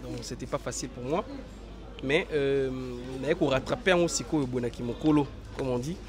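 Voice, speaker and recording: Hoarse young man, hesitant interview talk. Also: mid-range voice, brisk. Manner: hesitant, many fillers and restarts. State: hoarse from a cold. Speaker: interview guest, actor. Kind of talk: casual interview, mixing French and Lingala.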